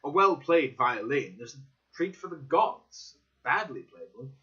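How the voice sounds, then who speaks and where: Courteous, inquisitive male doctor voiced by a male narrator, higher-pitched, animated, audiobook drama. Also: measured pace, full character voice. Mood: polite, candid. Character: curious, courteous male ex-army doctor, easily impressed. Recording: dull, slightly lo-fi recording.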